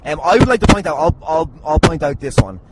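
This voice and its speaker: An Irish man with a fairly high voice hosts a loose comic chat. He teases and swears freely as he talks. Loud noise runs through the recording. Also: very animated, quick pace. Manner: jokey, teasing, sweary. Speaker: podcast host. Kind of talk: casual comic banter. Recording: very noisy, slightly distant at times.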